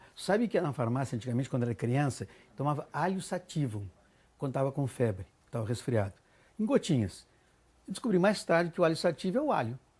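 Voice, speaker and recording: A man with a fairly high pitch and a somewhat breathy voice talks at a fairly quick pace with very wide pitch swings and long, frequent pauses. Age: 70s. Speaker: doctor. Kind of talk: TV interview.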